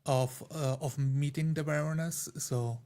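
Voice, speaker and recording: A man's voice: on the high side, steady tone, measured pace, mellow. A man talking casually as a player in a tabletop roleplaying game. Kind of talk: casual chat.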